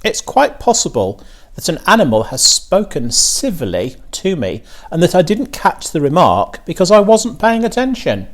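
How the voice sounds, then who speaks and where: A calm, philosophical country doctor from a children's storybook, acted out by a male reader. He muses and reassures thoughtfully, with a pitch that moves around in an animated way.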